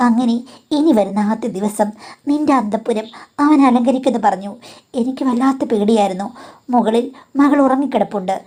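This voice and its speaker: A woman narrates a first-person confessional story, confiding and direct, as if speaking to a counselor. Her voice is mellow and warm, and it sits a little high. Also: fairly quick. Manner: confiding, addresses a listener as madam.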